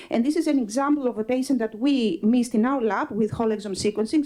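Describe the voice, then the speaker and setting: A fairly high-pitched woman's voice with a Greek accent, dark and mellow in tone, at a fairly quick pace. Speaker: clinical geneticist. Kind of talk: conference talk. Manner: fast.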